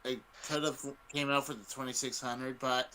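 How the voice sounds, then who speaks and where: A man on a podcast panel chatting casually, with halting, informal phrasing. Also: mid-range voice, little pitch movement, bright, forceful tone, poor audio. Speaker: podcast guest. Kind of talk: casual chat. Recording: clear background noise.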